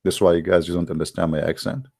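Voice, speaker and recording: Deep-voiced, gravelly Arab-accented man hosting. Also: steady tone, fast, darkish tone. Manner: joking, sarcastic, teasing. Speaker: host of a live debate broadcast. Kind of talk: casual rambling live-stream talk.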